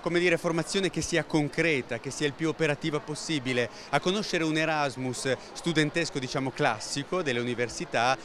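A man's voice: a little high, brisk, few pauses, fairly bright tone, slight background noise. A man interviewing guests at a fair stand, chatty and rhetorical, elaborating at length before posing his questions. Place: indoor exhibition stand at a book fair.

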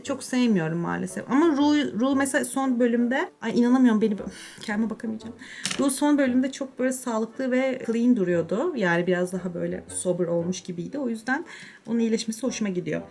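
A young woman chatting casually to her viewers while doing her makeup, self-mocking and drifting into mutters. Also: on the high side. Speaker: beauty vlogger.

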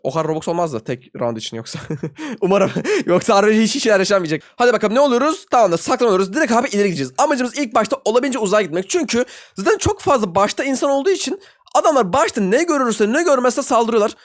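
A young man hosts a video with excitable live gameplay commentary, bantering with viewers in slang at rapid-fire speed and yelping high whenever he gets frustrated.

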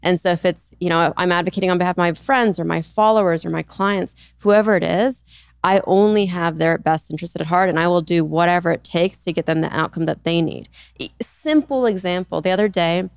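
Young woman host, smooth lowish voice, earnest chatty story, dry studio mic. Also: fairly quick, dry recording. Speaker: podcast host. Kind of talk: casual conversational interview. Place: bright studio with leather armchairs. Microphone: studio mic on boom arm.

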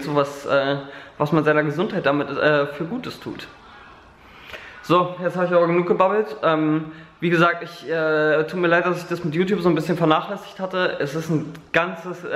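A young man talks casually into a handheld camera at home, rambling along with plenty of fillers. His voice sits a little high. The room around him rings with a noticeable echo. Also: a bit bright. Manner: rambling, filler-heavy, chatty. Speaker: vlogger. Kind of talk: casual daily vlog chat. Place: living room at home, indoors. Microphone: camera held at arm's length.

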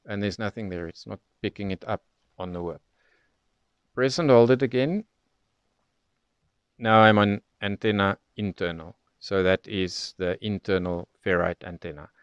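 A man's voice: on the low side, normal speed, clear, resonant tone, no room sound, muffled recording. A man presenting an unscripted product demonstration, explaining things methodically, step by step. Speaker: presenter of radio tutorial.

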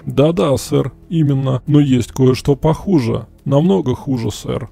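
Man reading an anxious male researcher, halting and apologetic, low gravelly tone. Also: warm tone, faint music behind, heavily acted. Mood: nervous. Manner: halting, apologetic, full of restarts. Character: nervous stammering male scientist.

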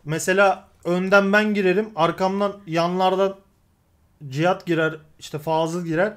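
A man's voice: high-pitched, fairly even intonation, moderate pace, a bit bright. A man hosting a casual chat, playful and teasing, pointing things out to his co-host. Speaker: show host.

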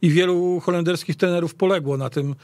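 A man in a casual sports discussion as a panelist, halting and repeating words mid-sentence, recorded in a radio studio. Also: high-pitched, fairly even intonation, a little mellow, dry recording. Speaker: football podcast panelist.

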